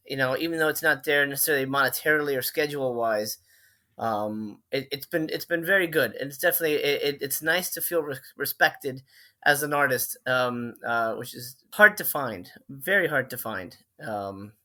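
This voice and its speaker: A middle-aged man from Miami chats as a podcast guest, his voice bright and forward. He talks in loose runs, full of "uh"s and restarts, sitting at a middle pitch. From Miami, Florida. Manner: chatty, many fillers and restarts. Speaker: film director and writer, podcast guest. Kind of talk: casual conversational interview.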